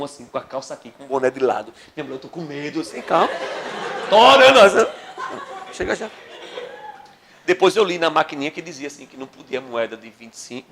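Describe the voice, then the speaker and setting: A high-pitched man teaches a class, turning it into a lively, animated story. He acts out every voice in it, and there is a faint noise behind him. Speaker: history teacher. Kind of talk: classroom lecture with comic anecdote.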